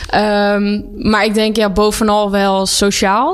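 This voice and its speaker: The speaker is a woman. Her pitch is fairly high. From Netherlands, Castricum. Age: 30s. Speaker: guesthouse owner. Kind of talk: interview. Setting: on location at guesthouse.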